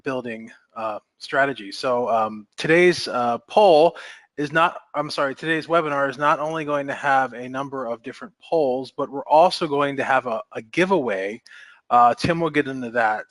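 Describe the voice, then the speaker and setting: A man's voice: mid-range voice, a bit bright, no room sound. A man moderating a webinar, giving upbeat announcements full of fillers. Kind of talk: webinar hosting.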